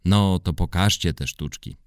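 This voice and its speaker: A man voicing a kind mother who speaks gently and calmly in a children's storybook reading. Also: sits low, a little slow, clear, resonant tone, no room sound, studio quality. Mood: gentle. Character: friendly mother, calm and kind.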